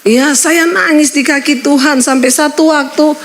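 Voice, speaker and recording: A woman pastor in middle age preaches a church sermon. Her voice sits fairly high and jumps higher still at the big moments of her stories. She talks to the congregation directly and with lively energy. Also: moderate pace. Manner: animated storytelling with sudden high exclamations.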